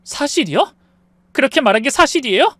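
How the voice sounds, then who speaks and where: A man's voice: sits high, sing-song, a little fast, no echo, pitched above the performer's own voice. A man voicing a hurt young wife who pleads with her father and argues back at her husband in a raised voice. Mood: indignant. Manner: pleading, indignant.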